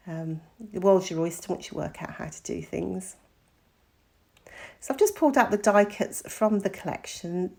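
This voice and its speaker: A middle-aged woman with a croaky voice, recovering from an illness, talks casually through a craft tutorial with frequent ums. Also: on the low side, mellow.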